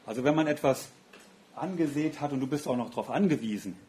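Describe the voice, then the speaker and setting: A man's voice: medium pitch, brisk, dark tone. A man preaching a sermon in an earnest, reflective way, often asking rhetorical questions.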